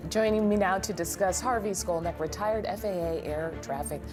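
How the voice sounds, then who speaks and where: A woman anchors a live TV news interview. Her voice sits a little low, and music plays clearly behind her as she introduces guests and puts questions. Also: moderate pace.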